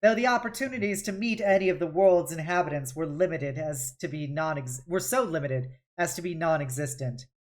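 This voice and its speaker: Casting: female read-along streamer, lower-pitched voice, dramatic storytelling delivery of prose narration. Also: fairly quick, few pauses, darkish tone. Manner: dramatic, with occasional stumbles and self-corrections. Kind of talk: expressive audiobook-style novel reading.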